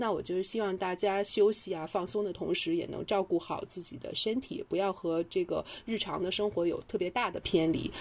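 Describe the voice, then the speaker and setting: With hardly any pauses and ordinary pitch variation, an ordinary speaking voice runs along at a fairly quick pace. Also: woman, medium pitch for a woman. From Beijing. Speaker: journalist. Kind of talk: casual chat.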